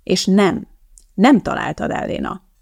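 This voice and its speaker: A woman's voice: medium pitch, animated, gravelly, a little mellow, slightly rough. A woman voicing a strict, irritable schoolteacher who scolds her class in an audiobook. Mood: stern. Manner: scolding, bossy.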